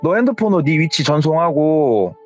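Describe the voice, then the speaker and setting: A furious male company boss, put on by a male storyteller, snaps commands in clipped bursts and leaps up into yells. The audio is a little dull and lo-fi. Faint music plays underneath. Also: on the high side, big pitch swings, moderate pace, pitched above the performer's own voice. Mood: barking orders. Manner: yelling, curt commands.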